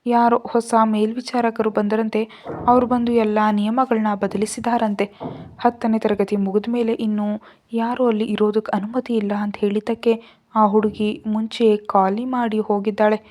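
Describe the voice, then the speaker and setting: A woman reading the part of a gentle, frightened teenage girl who pleads softly and sadly. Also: mid-range voice, little pitch movement, moderate pace, natural voice. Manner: pleading, trembling, soft.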